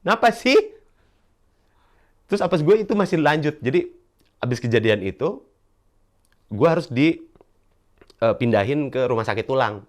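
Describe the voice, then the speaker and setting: Animated young man from telling a story. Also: moderate pace, pauses often. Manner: animated, acts out people with shouted high bursts. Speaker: stand-up comedian. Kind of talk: storytelling monologue.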